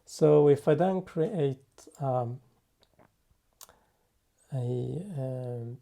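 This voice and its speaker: A man talks through a software demo at a slow, unhurried pace. His voice is very dark and soft-edged, with a gravelly creak. He pauses and thinks aloud as he goes, like a presenter working live without a script. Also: medium pitch. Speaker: tutorial presenter. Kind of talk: unscripted software demo narration.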